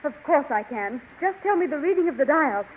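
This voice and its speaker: A woman's voice: sits high, expressive, a little fast. An actress playing a brave young woman heroine in a 1930s radio drama, speaking earnestly and pleadingly. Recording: dull, hissy 1930s radio transcription.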